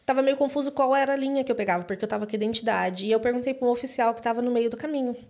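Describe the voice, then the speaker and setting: Brazilian woman, podcast guest, lively storyteller, slightly high voice. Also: racing. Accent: Brazilian Portuguese. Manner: animated, acts out quoted voices. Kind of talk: casual storytelling interview.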